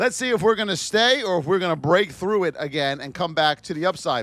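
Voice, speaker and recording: An animated man projects his raised voice with a bright, sharp tone. His high pitch swings very widely. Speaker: trading educator livestream host. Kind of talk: live stream market commentary.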